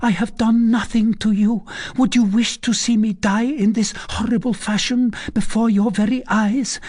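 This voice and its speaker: Terrified young girl for a storybook, played by a narrator: high, fragile, breathless, imploring. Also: steady tone, normal speed, darkish tone, natural voice. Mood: terrified pleading. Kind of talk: dramatic audiobook character voice.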